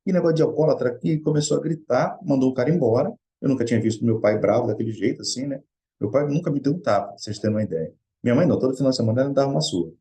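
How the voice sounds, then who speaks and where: Mellow Brazilian man telling a personal story. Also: mid-range voice, expressive, rapid-fire. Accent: Brazilian Portuguese. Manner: conversational, anecdotal, earnest. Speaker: Spiritist study speaker. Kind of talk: personal storytelling in a religious study talk.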